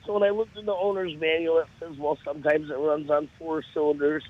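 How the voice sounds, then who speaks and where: Caller: woman, deep raspy voice, slightly groggy, heard over a dull, muffled phone line. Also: fairly even intonation, fast. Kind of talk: call-in chat.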